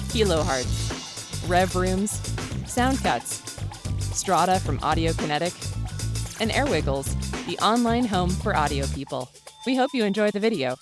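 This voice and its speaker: A woman's voice: lowish voice, lively intonation, measured pace, long pauses. Woman announcer over background music. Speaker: channel announcer. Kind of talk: scripted intro read. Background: music bed.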